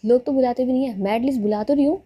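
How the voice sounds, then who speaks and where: Sarcastic, bossy young woman teasing her girlfriend on the phone, slightly high and husky, as a female storyteller plays her. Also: very fast, warm tone. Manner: playful taunting, sarcastic.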